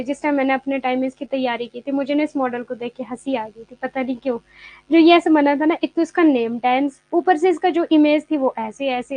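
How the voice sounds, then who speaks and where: A woman teaching an online exam-prep lecture. She explains by repeating words and reads English notes slowly. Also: high voice, darkish tone, no echo, dull audio.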